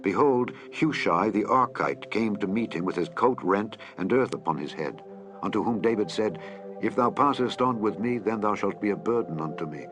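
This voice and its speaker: Male narrator, low voice, solemn measured Bible reading, music bed underneath. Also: expressive. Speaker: Bible reader. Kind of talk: scripture reading. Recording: reading over clear background music.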